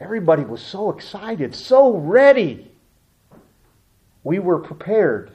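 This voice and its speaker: A middle-aged man preaching a sermon as a pastor, telling a family story with lively acted-out voices. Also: sits high, a little slow.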